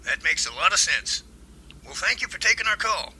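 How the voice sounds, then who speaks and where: An actor playing an enthusiastic, bookish professor in an audio drama, eager and folksy. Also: male voice, sits high, sing-song, normal speed, sharp tone, slightly rough, exaggerated voice. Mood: eager, nostalgic.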